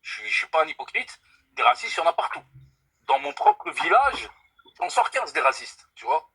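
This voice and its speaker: A man's voice: fairly high pitch, big pitch swings, normal speed, creaky, pushed and bright, breathy edge, rough recording. A young man from France calling in to a live stream, speaking earnestly and emphatically and swearing by God to stress his points. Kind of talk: casual debate call.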